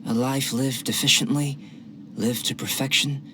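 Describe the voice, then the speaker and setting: A man voicing a calm young male alchemist, curious and scholarly, who speaks in a measured, soft, philosophical way in game voice acting. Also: medium pitch, noisy background, natural voice. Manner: measured, softly spoken, philosophical. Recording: game audio with clear music behind.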